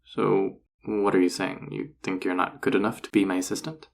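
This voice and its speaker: A man playing a flirty, encouraging enchanter boss in an intimate roleplay audio drama, teasing and reassuring in a husky, gravelly voice. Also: deep voice, little pitch movement, normal speed. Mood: concerned, reassuring.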